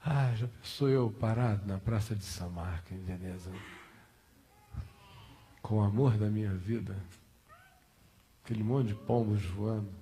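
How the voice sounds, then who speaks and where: A man with a Brazilian accent playing a dreamy, sentimental romantic, speaking in a hushed, wistful, lingering way in a sermon sketch. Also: on the low side, unhurried, pauses often, pitched below the performer's own voice, close to an everyday voice. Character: dreamy, sentimental romantic imagining a frozen perfect moment.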